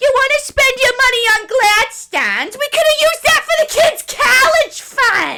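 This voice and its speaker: In a put-on character voice with a Boston accent, the speaker uses an extremely high pitch at a moderate pace with hardly any pauses. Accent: cartoonish Boston. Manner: nagging, comedic.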